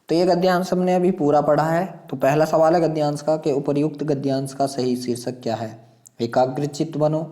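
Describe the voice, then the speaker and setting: Reading exam questions and passages aloud, this teacher has a high-pitched voice with a dark tone. He instructs his students by repeating phrases and asking them questions.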